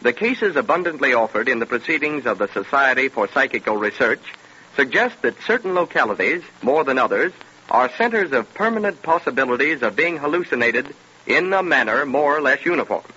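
An actor playing a dramatic mystery storyteller, formal and deliberate, in 1930s radio style. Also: male voice, medium pitch, big pitch swings, sharp tone, slightly rough, lo-fi sound, heavily acted. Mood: earnest, assured. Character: dramatic male mystery storyteller explaining eerie experiences. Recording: thin, noisy 1930s radio recording.

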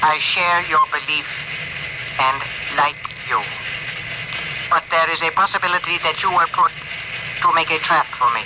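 An actor playing a gentle alien ship's communicator who speaks in stiff, oddly formal phrases, in a 1950s radio drama. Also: male voice, fairly high pitch, steady tone, normal speed, long pauses, lightly acted. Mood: solemn. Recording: hissy old radio broadcast.

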